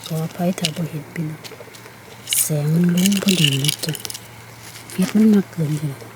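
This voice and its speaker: A woman with an Isan accent vlogging in a forest, exclaiming excitedly and calling out to her viewers as she goes. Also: sits low, moderate pace, noisy background. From Northeast Thailand. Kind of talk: casual foraging vlog. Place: forest outdoors.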